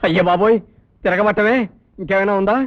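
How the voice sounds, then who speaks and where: A man's voice: high-pitched, steady tone, fairly quick. A man in a film scene, nervous and pleading as a timid suitor. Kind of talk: film dialogue. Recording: dull lo-fi film audio with faint noise.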